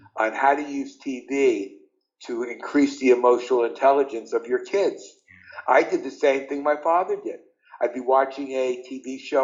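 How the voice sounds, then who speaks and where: A man talks with a New York accent. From New York, Long Island. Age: 70s. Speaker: psychologist. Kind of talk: interview.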